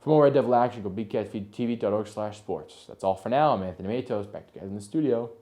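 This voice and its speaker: Male sports reporter, lowish voice, scripted news read. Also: quick pace, dark tone.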